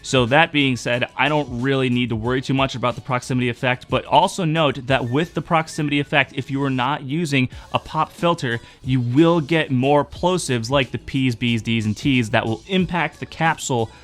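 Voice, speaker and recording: Young male tutorial host, baritone, matter-of-fact delivery, quiet music bed. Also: moderate pace, few pauses. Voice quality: mid-range baritone. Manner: steady, instructive, matter-of-fact. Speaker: streaming tech tutorial host. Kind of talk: explaining microphone setup tips. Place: home streaming desk. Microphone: dynamic mic on a boom arm.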